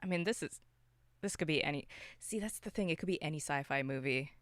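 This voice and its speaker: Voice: medium pitch, quick pace, fairly bright tone, no echo. A podcast co-host chatting casually about films in a slangy, exclamatory way.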